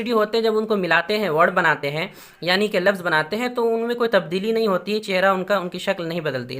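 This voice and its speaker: A man teaching beginners to read the Quran, explaining patiently and repeating each letter slowly. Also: sits high, bright, forceful tone. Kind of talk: recorded beginner lesson.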